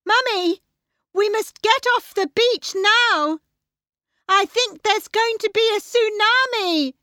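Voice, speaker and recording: A woman's voice: very high voice, takes it slowly, bright, forceful tone, no room sound, studio quality, pitched above the performer's own voice, exaggerated voice. A woman voicing a frightened, urgent ten-year-old girl in a storybook story for an audio lesson. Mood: alarmed, urgent.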